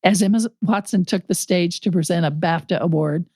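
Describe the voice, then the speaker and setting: Slightly raspy woman co-hosting a podcast. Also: fairly low pitch, brisk, dark tone, dry recording, clean studio sound. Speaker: podcast co-host. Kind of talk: casual podcast chat.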